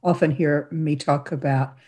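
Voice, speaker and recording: A host of an interview show, talking with a guest in a gentle, reflective way. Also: mid-range voice, steady tone, a little slow, husky. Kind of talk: interview conversation.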